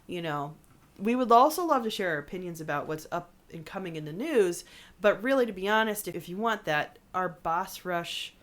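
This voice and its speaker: A woman's voice: fairly low pitch, animated, normal speed. A woman with a stuffy nose from a cold, co-hosting a podcast in casual chat, sarcastic and easily exasperated. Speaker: podcast co-host.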